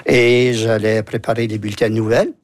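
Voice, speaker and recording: An older man from New Brunswick with an Acadian French accent, a former journalist telling lively stories in an interview. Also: lowish voice, fairly quick, no room sound. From New Brunswick, Canada. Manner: lively anecdotal storyteller, acts out quotes. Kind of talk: storytelling interview.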